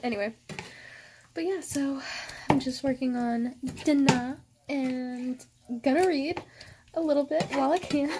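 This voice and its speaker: A young woman talks straight to camera in a loose, rambling vlog, gushing about what she loves and swearing often. Her voice sits a little high for a woman. A faint hiss stays under her words. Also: unhurried, pauses often. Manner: gushing, swears often, chatty with lots of fillers. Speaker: vlogger. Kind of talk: casual chat.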